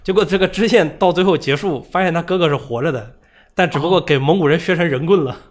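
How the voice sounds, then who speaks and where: Very fast-talking man in casual chat. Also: a little high. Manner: rapid, rambling retelling with many fillers, acts out quoted characters. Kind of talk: casual chat about a video game.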